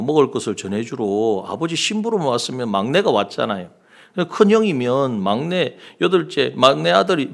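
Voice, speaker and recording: A man's voice: on the high side, gravelly. A man preaching a sermon as pastor, acting out the quoted speech of the figures he talks about. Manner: animated preaching, acts out quoted lines.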